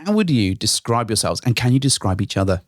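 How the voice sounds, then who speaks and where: A man's voice: fairly low pitch, big pitch swings, fast talker, no room sound, studio quality. A man co-hosting a podcast in casual chat, with a joking, rambling manner. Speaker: podcast co-host.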